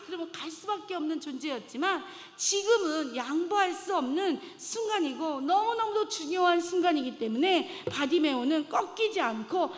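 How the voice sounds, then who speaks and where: A woman delivers a sermon with a high voice, retelling a Bible story with dramatic flair. Her speech rings with the long reverb of a church sanctuary. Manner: dramatic, acts out biblical voices. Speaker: preacher.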